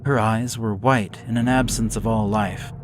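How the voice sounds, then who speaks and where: A man slowly reading a gothic horror story aloud in a measured, somber way. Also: fairly low pitch, steady tone. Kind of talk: scripted horror narration. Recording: hissy background noise.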